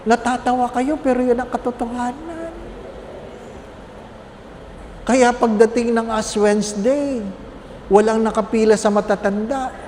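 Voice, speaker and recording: A man's voice: very high voice, unhurried, long pauses, darkish tone, long reverb tail, slight background noise. A man, a Catholic priest, preaching a homily with humorous stories and constant questions to his congregation. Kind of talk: sermon.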